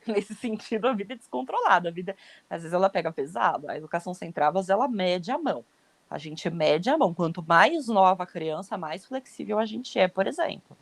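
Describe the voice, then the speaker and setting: A woman's voice: fairly low pitch, expressive, brisk, creaky, no room sound. Emphatic Brazilian woman, dry sound. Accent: Brazilian Portuguese. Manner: emphatic, acts out parents' voices, blunt. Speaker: podcast host, parenting educator. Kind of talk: explanatory podcast talk.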